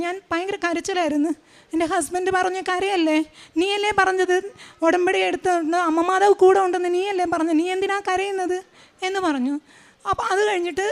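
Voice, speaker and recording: A middle-aged woman giving an earnest personal faith testimony, retelling what others said to her. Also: very high-pitched. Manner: earnest, retelling events with many quoted lines. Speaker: testimony speaker.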